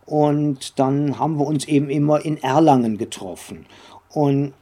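An older man recounting memories in an interview, speaking haltingly with many drawn-out hesitations and little tag questions. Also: fairly high pitch, fairly even intonation, dark tone. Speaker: interview guest, former comics editor and publisher.

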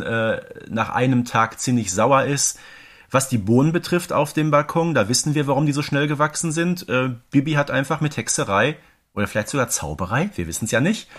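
Man podcast host, relaxed conversational review. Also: mid-range voice. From Ruhr area, Germany. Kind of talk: casual audio drama review chat.

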